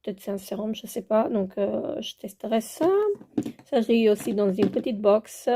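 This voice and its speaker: Moving around while handling her skincare products, a beauty vlogger with a French accent gives a casual vlog demonstration. Her medium-pitched voice keeps fairly even intonation at a normal speed, though she's hesitant and uses many fillers. The background is noisy.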